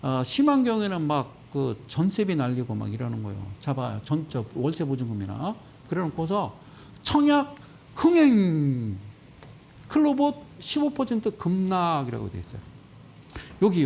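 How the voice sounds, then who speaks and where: A man giving stock market commentary on a broadcast, animated and sarcastic. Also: a little high, creaky, slight background noise. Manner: animated, sarcastic, acts out quoted voices.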